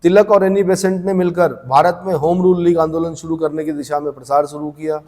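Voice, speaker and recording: Guy teaching exam history, keeps asking the class questions, kinda high voice, echoey hall. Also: level tone, brisk, darkish tone. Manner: repeats points as questions to students; reads text then explains in plain talk. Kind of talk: classroom lecture.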